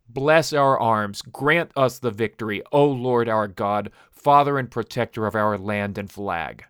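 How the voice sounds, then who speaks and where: A man voicing a preacher who utters a slow, fervent prayer. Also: lowish voice, fairly bright tone, clear, resonant tone, no echo, studio quality.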